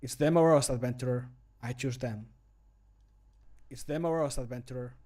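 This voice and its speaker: Guy doing a grave stoic adventurer for a fantasy game, slow solemn delivery. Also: mid-range voice, warm tone, natural voice. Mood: resolute.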